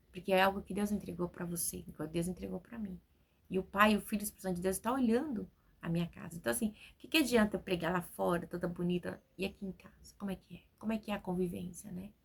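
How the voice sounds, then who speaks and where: Her voice is medium-pitched, gravelly, and slightly rough: a preacher in her forties, at home, giving a chatty, spontaneous testimony sermon and repeatedly tacking on "né?".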